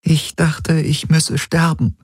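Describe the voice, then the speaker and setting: A man's voice: fairly high pitch, level tone, slow pace, husky, no room sound, pitched above the performer's own voice. A man voicing a tearful grieving young woman.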